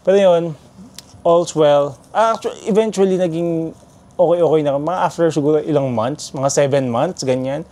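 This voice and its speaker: A man, telling a story in an animated, chatty vlog that mixes in English. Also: on the high side, normal speed. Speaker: vlogger.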